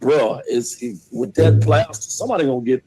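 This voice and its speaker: A man calling in to a show, telling stories casually in animated, colloquial and boastful slang. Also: medium pitch, fairly quick, breathy edge, low-quality recording. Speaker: caller to the show, a ring announcer. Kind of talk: casual chat and storytelling. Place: on a call to a show.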